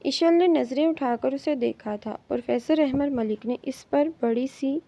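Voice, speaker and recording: A woman reading a romance novel aloud in steady audiobook narration. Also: high voice. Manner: steady storytelling. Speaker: novel reader. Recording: dull lo-fi recording.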